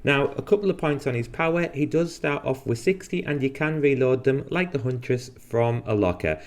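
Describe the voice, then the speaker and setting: This man's voice sits in the mid-range, and he speaks at a normal speed with lively intonation. Hosting a gaming channel, he explains new characters and abilities in relaxed guide-style commentary, now and then slipping in a sarcastic, deadpan aside.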